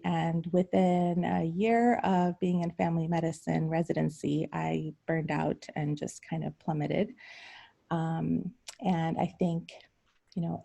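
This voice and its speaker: Woman from iran on a zoom call, lots of ums, low gravelly mellow voice. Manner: hesitant, many ums and pauses. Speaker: psychiatrist guest speaker. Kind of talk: casual personal story on a video call. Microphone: video call.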